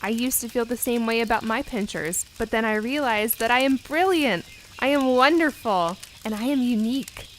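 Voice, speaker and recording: A woman voicing a cheerful, proud little bug with pincers in a children's story, speaking brightly and encouragingly. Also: fairly high pitch, normal speed, a little hiss or hum, natural voice, rough recording. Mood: warm.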